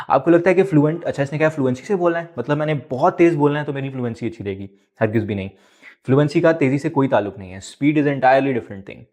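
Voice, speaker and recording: A man explains exam speaking tips to students in a video lesson. His voice sits at an ordinary middle pitch, and he moves between Hindi-Urdu and English. He keeps returning to his main points. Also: a little mellow. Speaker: PTE exam instructor.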